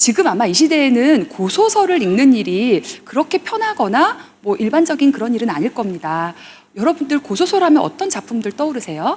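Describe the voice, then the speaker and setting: With very wide pitch swings, the voice moves along at a fairly quick pace. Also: woman. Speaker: literature professor. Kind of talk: public lecture. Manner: fast.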